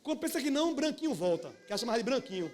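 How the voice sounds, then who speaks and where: A male preacher, delivering a sermon in church. His voice is very high for a man, and he tells stories in a folksy, animated way, often turning to the congregation. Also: rapid-fire, a little hiss or hum. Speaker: pastor. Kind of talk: live sermon with storytelling.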